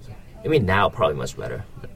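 Very deep, gravelly man. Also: huge pitch swings, a bit bright. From Vietnam. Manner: halting, hedging, frequent "you know" and "like". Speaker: interviewee. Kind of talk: casual informal interview answers.

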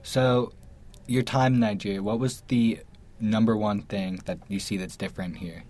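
A man's voice: fairly low pitch, fairly even intonation, moderate pace, darkish tone. A young adult man from New Jersey with an American accent, asking casual interview questions in an informal, easygoing way. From New Jersey, United States.

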